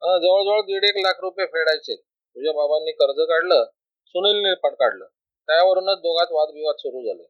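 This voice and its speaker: A tearful, worried mother pours out her troubles, voiced by a man reading aloud. The voice sits slightly high, close and dry. The sound is muffled and lo-fi. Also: expressive, moderate pace, no room sound, natural voice. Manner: complaining, pleading. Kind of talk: storybook reading. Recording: dull lo-fi recording.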